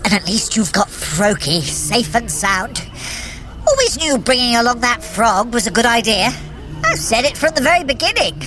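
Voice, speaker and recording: A haughty trickster sorcerer, speaks in a highish voice that swings theatrically as they taunt and command a mortal runner. The tone is smug and wry, an audio drama part played over loud music. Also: female voice, sing-song, normal speed, rough recording.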